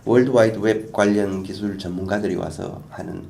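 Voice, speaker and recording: A middle-aged man, a guest expert, explaining in an animated way on a talk show, with quiet asides and emphatic bursts. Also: low-pitched, brisk, creaky.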